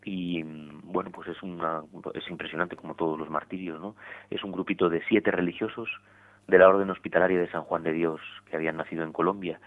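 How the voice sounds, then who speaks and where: Deep-voiced priest on a tinny radio line. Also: male voice, steady tone. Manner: measured, explanatory, with frequent tag questions. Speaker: priest guest on religious radio. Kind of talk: radio interview.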